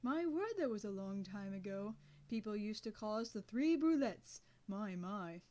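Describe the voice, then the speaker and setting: A woman voicing a deaf elderly man who speaks slowly and wheezes, lower than her usual voice. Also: expressive, dark tone, lo-fi sound, natural voice. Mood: nostalgic. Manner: slow, low and wheezy. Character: elderly male, wheezing, slow, deaf, turns hostile.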